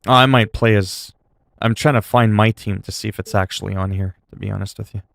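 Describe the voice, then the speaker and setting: Low gravelly streamer. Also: male voice, fairly even intonation, brisk, fairly bright tone, no room sound. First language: French. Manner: rambling, self-talk with laughs and asides. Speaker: gaming streamer. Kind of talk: casual gameplay chat.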